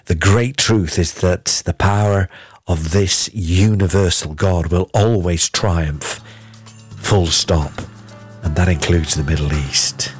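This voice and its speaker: A man reading psalm verses aloud and explaining them as a radio Bible teacher in an earnest, measured way. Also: low-pitched, soft background music.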